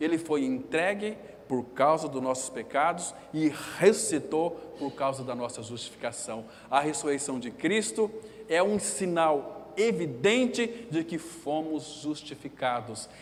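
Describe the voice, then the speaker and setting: Over noticeable background noise and audible room echo, a man with a Brazilian accent speaks at a fairly slow pace in a fairly high pitch with lively intonation. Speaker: pastor. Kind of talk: sermon. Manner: animated.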